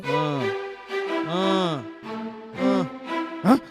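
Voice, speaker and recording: Cheeky cartoon jester. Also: male voice, high-pitched, takes it slowly. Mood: flustered. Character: witty male court jester, cheeky, bossy at home. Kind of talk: cartoon voice acting. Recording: music behind the voice.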